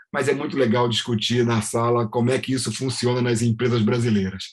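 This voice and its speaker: A man with a slight Carioca accent speaks at medium pitch and a moderate pace, his voice somewhat breathy and his intonation fairly even. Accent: carioca (Rio de Janeiro), slight. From Brazil, Rio de Janeiro. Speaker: organizational psychologist and professor. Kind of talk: podcast interview.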